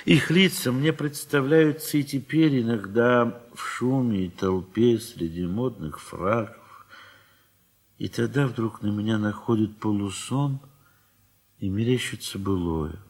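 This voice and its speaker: A man narrating a radio play, reading literary prose in a measured, wistful way with soft, trailing phrase ends. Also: on the low side, slightly rough.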